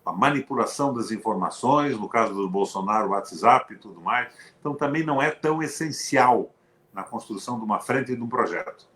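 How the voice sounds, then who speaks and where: A man's voice: medium pitch, brisk. An older Brazilian man, a former senator, talking politics in an emphatic, sarcastic way. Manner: emphatic, animated, with sarcastic asides. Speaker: former senator, show host. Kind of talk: political conversation. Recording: echoey room.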